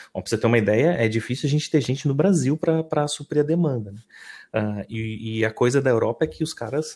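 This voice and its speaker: A man speaks at a moderate pace in a dark, mellow tone that is somewhat breathy, with ordinary pitch variation. The recording is very clean, with a silent background. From Brazil. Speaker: software engineer. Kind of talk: interview. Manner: halting, many fillers and repetitions.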